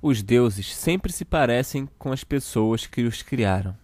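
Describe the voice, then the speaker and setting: A man with a Brazilian accent playing a children's TV uncle who reads a storybook slowly and deliberately to children. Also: medium pitch, expressive, noisy background. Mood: storytelling. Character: children's TV show host uncle reading a satirical storybook. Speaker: storyteller host of a kids' show.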